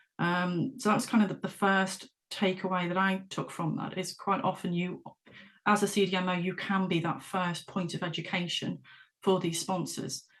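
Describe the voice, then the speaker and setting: A woman with a British accent talks at a moderate pace and medium pitch. Her voice is somewhat breathy, with fairly even intonation. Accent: British, non-American. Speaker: pharmaceutical quality consultant, former inspector. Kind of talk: panel discussion. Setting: video call. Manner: hesitant, many ums.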